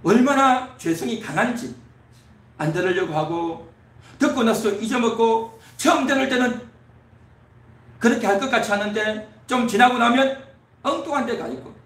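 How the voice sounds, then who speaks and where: A man's voice: extremely high pitch, normal speed, pauses often, a bit bright. A man preaching a Sunday sermon as pastor, building emphasis through repeated phrases. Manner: preaching with rising emphatic repetition. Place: church sanctuary. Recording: echoey church hall, distant mic.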